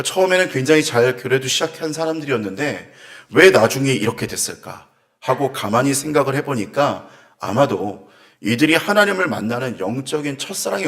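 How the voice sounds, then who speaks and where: A man's voice: mid-range voice, a bit bright. Earnest reflective male pastor preaching. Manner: earnest, reflective, with sighing 'ah' asides. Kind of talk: sermon. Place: church.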